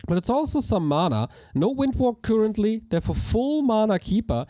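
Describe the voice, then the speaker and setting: A man with a hoarse voice, casting a live strategy game match in an energetic, chatty way while thanking viewers. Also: high-pitched, moderate pace. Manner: energetic, chatty, talks to chat. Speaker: esports caster. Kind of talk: live game commentary with chat shout-outs.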